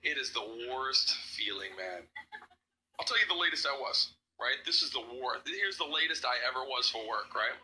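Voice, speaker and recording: A young man performing a stand-up comedy set, jumping into loud high-pitched voices for characters. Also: expressive, moderate pace, slight background noise, low-quality recording.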